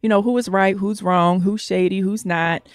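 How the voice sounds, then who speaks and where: A woman's voice: medium pitch, steady tone, moderate pace, no echo, studio quality. A woman co-hosting a podcast in casual chat with an African American English accent, reading listener messages and laughing often. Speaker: podcast co-host.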